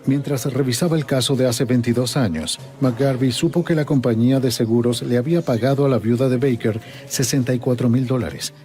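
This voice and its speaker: Dark-voiced male true-crime narrator. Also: mid-range voice. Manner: even, measured storytelling. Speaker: documentary narrator.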